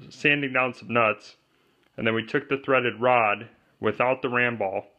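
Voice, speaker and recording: A man's fairly low voice, muffled in the recording, leads a hands-on walkthrough of his homemade camera pole for kayaking, plainly identifying each part step by step. Indoors at a wooden table, he speaks off-camera while an overhead shot shows his hands.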